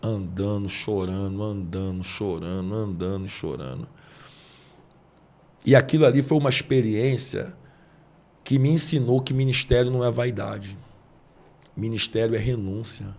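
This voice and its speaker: A man, a preacher earnestly telling a personal testimony on a podcast, going soft and low when moved. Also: steady tone, normal speed, gravelly, husky.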